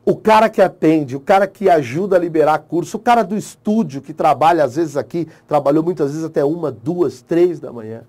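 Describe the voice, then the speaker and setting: Brazilian guy teacher, emotional pep talk to exam takers, kinda high voice, super animated. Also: a little fast, few pauses. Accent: Brazilian Portuguese. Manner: emotional, exhorting, lively swings between soft and loud. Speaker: online course teacher. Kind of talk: motivational talk to exam candidates.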